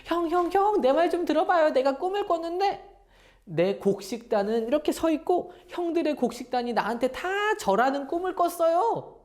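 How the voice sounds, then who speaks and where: A woman voicing young Joseph, an eager boy who excitedly tattles to his father and brothers. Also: very high voice, unhurried, voice pushed up, exaggerated voice.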